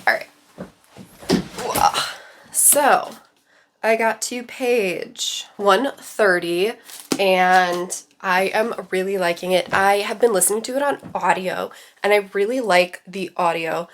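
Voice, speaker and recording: Woman, congested, casual book vlog, rambling chatter, many fillers, middle pitch. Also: slow, slight background noise. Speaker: book vlogger.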